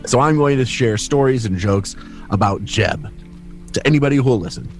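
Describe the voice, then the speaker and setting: A man's voice: medium pitch, brisk, a little mellow, soft background music. A man playing in a tabletop game podcast, casually describing what his character does.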